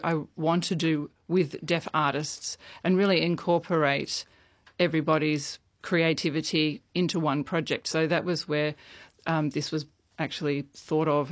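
A woman who runs a music project, explaining it in a relaxed way with frequent fillers. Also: sits low, no room sound.

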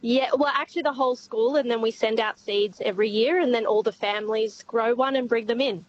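A woman, a primary school teacher, calling a radio show in a friendly, brisk way. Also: fairly high pitch, dull audio.

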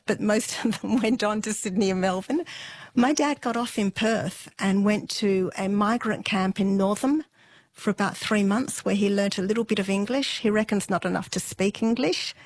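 A middle-aged woman speaks unhurriedly to an interviewer, pausing on fillers and laughing softly now and then. Her voice sits at an ordinary pitch, close to the mic in a dry room with no echo. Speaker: interview guest. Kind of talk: relaxed storytelling interview.

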